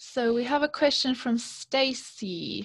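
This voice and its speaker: In a quiet background, a woman is talking. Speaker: vet, webinar host; webinar host. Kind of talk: webinar moderation. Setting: video call. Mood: friendly, slightly hesitant. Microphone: headset.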